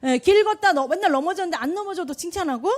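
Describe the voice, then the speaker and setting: A woman speaking to an audience about parenting, her voice high and swooping up and down. She asks questions and answers them herself. She slips into quick little voices to play parents and children. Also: lively intonation. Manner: acts out parents' and kids' lines in quick voices. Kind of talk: lively talk to an audience.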